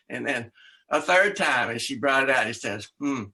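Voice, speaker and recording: As an interview guest, an older male author tells a rambling, animated story at a moderate pace in a mid-range voice, often quoting other people's voices and laughing.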